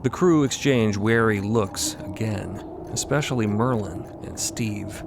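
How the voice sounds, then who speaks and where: A man's voice: lowish voice, a little slow, vocal fry, noisy background. A man narrating a scripted audio drama, describing the scene and the characters' actions.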